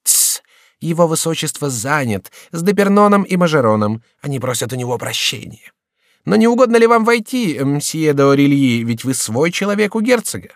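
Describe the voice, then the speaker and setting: Read by a man, a young courtier lounges through his words, his voice pitched high and leaping about with sly cheer. He sounds idle and mocking, close and dry as in a studio. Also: sing-song, normal speed, dry recording. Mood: teasing. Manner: playful, bright and drawn out.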